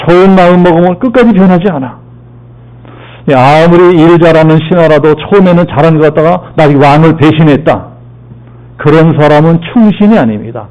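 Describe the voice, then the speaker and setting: In a church sanctuary, a male pastor delivers a sermon, repeating key phrases, posing questions and answering them himself, and guiding the congregation through the reading with call-and-response and Bible lookup. His voice is a little high, expressive and darkish, moving a little fast, and the audio sounds dull.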